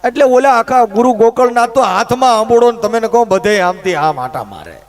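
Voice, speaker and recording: A man's voice: very high voice, animated, fairly quick. A middle-aged man, telling a folk tale in a rustic, chatty way, full of comic asides. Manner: rustic, chatty, acts out quoted voices. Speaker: folk humorist.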